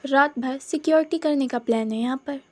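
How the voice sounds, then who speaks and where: A woman voicing a sharp-tongued young woman who answers with dry sarcasm. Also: high voice, brisk, close to an everyday voice. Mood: sarcastic.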